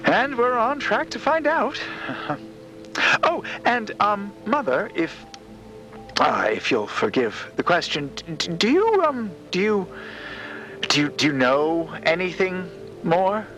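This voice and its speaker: An actor playing a flustered, eager and deferential space explorer who stammers and rambles in a podcast drama. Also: male voice, high voice, sing-song, slow, fairly bright tone, faint music behind, exaggerated voice, low-quality recording. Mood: awed, hesitant. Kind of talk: fiction podcast character acting.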